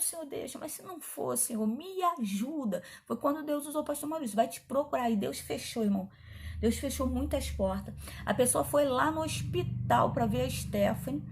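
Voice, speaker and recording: A middle-aged woman pastor, telling her testimony in a chatty, animated way, acting out the dialogue as she goes. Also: sits high, creaky. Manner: animated, chatty, frequent asides and quoted dialogue. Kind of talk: testimony storytelling.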